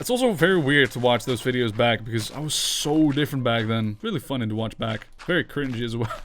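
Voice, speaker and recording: The speech runs at a very fast pace with hardly any pauses and ordinary pitch variation over noticeable background noise. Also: man, medium pitch for a man. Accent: Dutch. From Netherlands. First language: Dutch. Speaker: gaming youtuber. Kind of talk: gameplay commentary. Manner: halting.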